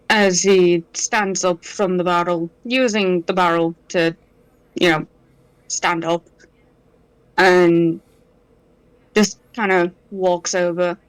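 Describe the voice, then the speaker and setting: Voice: mid-range voice, clean tone, no echo, low-quality recording. A player in a tabletop game, laid-back, telling things in short clipped sentences. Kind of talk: tabletop role-play.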